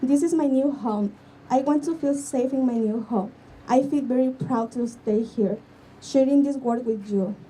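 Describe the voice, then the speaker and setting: A young woman from Guatemala with a Spanish accent, giving an earnest rally speech as a student in halting English. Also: sits high, warm tone. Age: young adult. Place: outdoor school campus. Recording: distant mic, faint outdoor noise.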